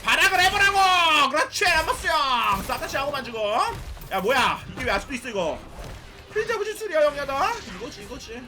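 A man streaming a game, yelling catchphrases and cackling through excited live commentary. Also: very high-pitched, brisk. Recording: loud noisy game stream.

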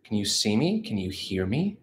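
Brief: stuffed-up man in his 30s with a lowish voice, chatty livestream host at home on the couch. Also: sing-song, moderate pace, a bit bright, a little hiss or hum. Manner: chatty, upbeat, reads out viewer messages. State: stuffed-up nose from allergies. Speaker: channel host. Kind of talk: casual livestream chat. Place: living room with a couch, indoors. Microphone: camera facing him at close range.

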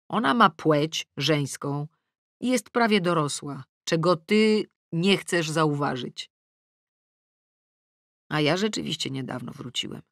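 A woman audiobook reader playing a calm, reasonable man who chides mildly in a measured, understated way. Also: low-pitched, dry recording, studio quality.

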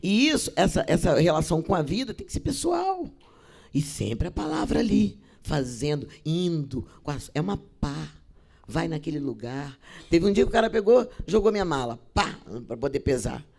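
A woman's voice: low voice, normal speed, gravelly. A middle-aged Brazilian woman, an actress and poet, telling stories to theater students and acting out the voices in each exchange. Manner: acts out dialogue with shifting voices, expressive and theatrical. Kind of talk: lively storytelling talk.

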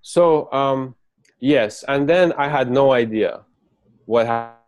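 A Persian man raised in the UAE, whose first language is Farsi, appears as an interview guest on a video call and gives a halting account full of restarts. His voice is mid-range, and there is no room sound.

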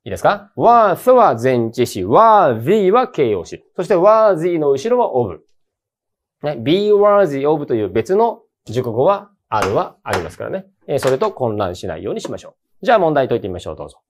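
A man's voice: fairly high pitch, sing-song, fairly quick. A man teaching an English grammar lesson for university entrance exams, talking in a casual, emphatic, colloquial way. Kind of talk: casual exam-prep lecture.

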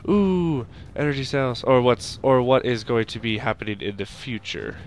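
A young man with a stuffy nose from a cold, rambling through casual let's-play commentary and shouting at the game now and then. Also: mid-range voice, lively intonation, normal speed, a little hiss or hum. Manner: rambling, makes sound effects and shouts at the game.

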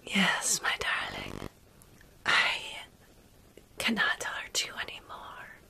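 A woman in her thirties whispering slowly and soothingly in an ASMR roleplay, playing a caring, centuries-old vampire close to the microphone. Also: very deep voice, huge pitch swings, gravelly. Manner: soothing, hushing, slow and deliberate.

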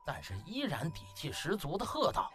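Highly animated male audiobook narrator. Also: normal speed. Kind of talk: comic dramatized storytelling. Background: music.

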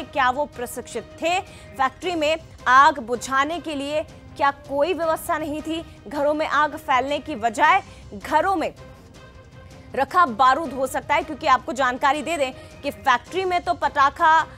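A woman's voice: sits high, pushed and bright. A young woman anchoring live television news in a studio, delivering the report with urgent, dramatic emphasis.

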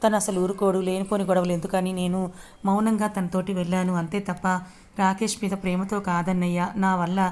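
A woman's voice: medium pitch, flat delivery, fairly quick, a little mellow, natural voice. A woman voicing a hurt, tearful young woman in a read-aloud story, speaking in a pleading way. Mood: upset.

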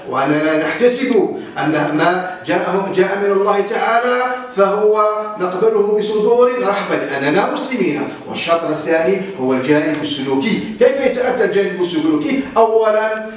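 A male teacher giving a Quran recitation lesson, patiently repeating words slowly for his pupils. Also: sits high. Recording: echoey room, distant mic, faint hiss.

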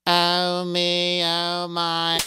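A woman's voice: fairly low pitch, monotone, drawn-out words, pushed and bright, clean tone, dry recording, studio quality, heavily acted. Woman voicing a dithering old wizard, storybook, fussy and kind. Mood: flustered.

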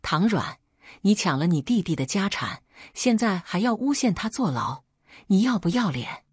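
A woman's voice: medium pitch, sing-song, normal speed, darkish tone, husky, no room sound, clean studio sound. A woman voicing a spiteful, scolding young pregnant woman in a spoken story. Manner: scolding, abusive.

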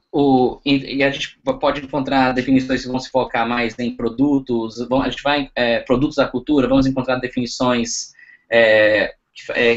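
A young man giving an online lecture over slides, talking haltingly with many fillers and restarts, recorded over a video call. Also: medium pitch, highs cut off.

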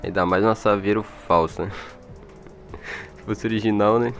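Male gamer, Brazilian accent, low-pitched, chatty and informal, light music underneath. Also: fairly even intonation, measured pace, fairly bright tone. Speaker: gaming video creator. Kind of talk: casual gameplay commentary. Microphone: old microphone. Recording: music behind, old microphone.

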